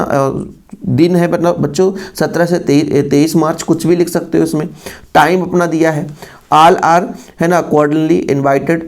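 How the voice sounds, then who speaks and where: In an exam-prep session, a male teacher speaks in a gravelly voice that's a little high and darkish in tone. He reads English with an Indian accent, repeats phrases to his students, and asks rhetorical questions.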